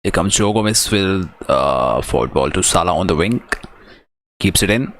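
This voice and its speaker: A man with a very low-pitched voice and a South Asian accent hosts a live football stream. He calls the play in short, clipped fragments, mixing commentary with casual watch-along remarks. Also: expressive, moderate pace, fairly bright tone.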